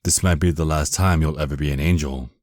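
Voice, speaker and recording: A man's voice: extremely low pitch, steady tone, fairly quick, very noisy. A man playing a stern, self-righteous archangel in an audio drama, speaking in a cold, commanding, condescending way. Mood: cold, menacing.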